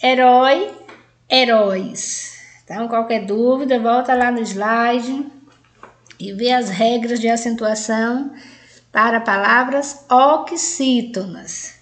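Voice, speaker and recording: A Brazilian woman teaches grammar to adult learners in a slightly high, reverberant voice with a Brazilian Portuguese accent. She goes slowly, spelling out her examples word by word, and keeps adding "né?" tags.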